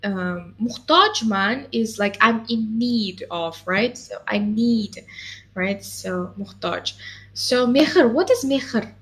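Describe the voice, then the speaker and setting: Patient woman tutor, lively and slow. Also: on the high side. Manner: patient, encouraging, lots of mm-hmms and checks. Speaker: language teacher. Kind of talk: one-on-one language lesson.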